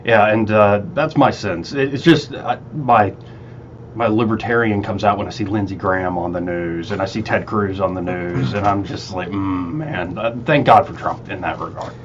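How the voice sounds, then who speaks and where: A man's voice: lowish voice, normal speed. A chatty radio host, a man. He laughs easily and restarts his sentences as he runs through headlines. The audio sounds slightly dull, with a faint hiss underneath. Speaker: radio talk show host. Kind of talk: casual talk radio chat.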